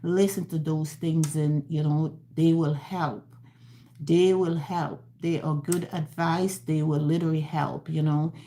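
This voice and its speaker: A woman in her sixties speaks slowly and earnestly in a low, mellow voice, circling back to repeat her points as she encourages her listeners. Her voice rings in a roomy, echoey space. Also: steady tone. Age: 60s. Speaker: vlogger. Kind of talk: casual live-stream talk. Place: her home.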